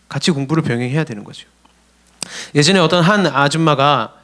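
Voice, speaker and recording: A young man preaches in a church sanctuary with a higher-pitched voice. He tells stories and addresses his listeners directly, lively and earnest. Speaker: junior pastor. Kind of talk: sermon.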